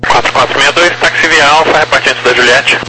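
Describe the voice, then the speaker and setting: A man working as an air traffic controller, giving clipped clearances over aviation radio. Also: mid-range voice, fairly even intonation, brisk.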